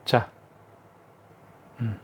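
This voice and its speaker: A product demonstrator speaks very slowly, with a fairly bright tone, as he runs through a hands-on tutorial. Patient at every step, he repeats himself so things are clear.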